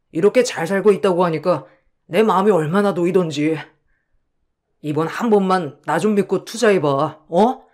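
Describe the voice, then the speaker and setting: A shameless middle-aged swindler, voiced by a man in an audio drama, talking in a high voice for a man. He coaxes slickly and then snaps into abusive shouting. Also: close to an everyday voice.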